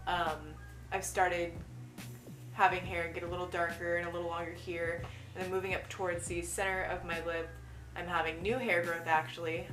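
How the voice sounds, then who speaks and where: A man's voice: sits high, bright, forceful tone. A young trans man vlogging casually to camera, chatty and candid, with many ums and little laughs. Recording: echoey room with faint music.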